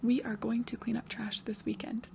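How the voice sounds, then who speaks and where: A whispered role-play of a young girl pupil, voiced by a woman in a lesson. She answers each question in a soft, breathy whisper, calm and eager. The voice sits slightly high. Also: normal speed, a little hiss or hum.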